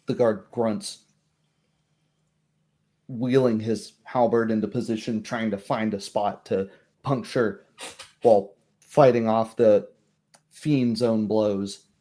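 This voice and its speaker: Mellow, low-voiced man narrating. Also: fairly even intonation. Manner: measured, descriptive storytelling. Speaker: game master. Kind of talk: narrating a tabletop roleplaying game.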